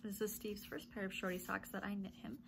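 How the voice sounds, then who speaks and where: Congested, gravelly-voiced woman chatting at home. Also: medium pitch, flat delivery, brisk, background noise. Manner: chatty, rambling, frequent little laughs and ums. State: stuffy nose, a bit congested. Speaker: knitting podcast host. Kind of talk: casual chatty monologue to camera. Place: home room with yarn shelves.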